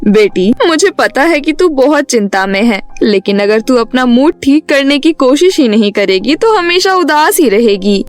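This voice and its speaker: A woman voicing a caring, fretful village mother who coaxes and exclaims in an animated storybook tale. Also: high-pitched, moderate pace, few pauses. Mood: concerned, coaxing. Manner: concerned, coaxing, exclamatory. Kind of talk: animated moral storybook dialogue.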